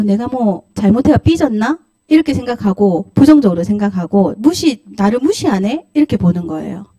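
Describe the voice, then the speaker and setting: A middle-aged Korean woman, a pastor's wife, delivers a lively Friday service sermon in a church sanctuary. Her mid-range voice is animated, she acts out scolding quotes and laughs often, and the recording is dry.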